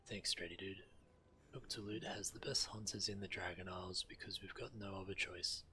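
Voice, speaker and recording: A man's voice: low-pitched, steady tone, moderate pace, bright, forceful tone, breathy edge, full character voice. A man reading solemn fantasy quest dialogue of tribal villagers aloud on a game stream. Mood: earnest.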